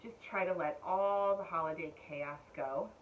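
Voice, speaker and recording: Low-voiced yoga teacher, heard from afar. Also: female voice, moderate pace. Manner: chatty and meandering, soothing cues. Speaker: yoga instructor. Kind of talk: casual spoken yoga class guidance. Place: home room. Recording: distant mic, dull sound, faint room noise.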